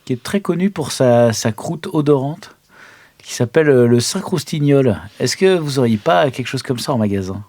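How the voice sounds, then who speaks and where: A man's voice: medium pitch, animated, normal speed, darkish tone. A man playing in an improvised roleplay, bantering casually and joking with a straight face.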